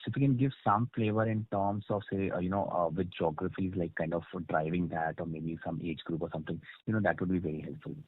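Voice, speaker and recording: A man's voice: sits low, steady tone, fast, hardly any pauses, no echo. A man with an Indian accent asking an analyst's questions on an earnings call, hesitant and polite. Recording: narrow-band phone line.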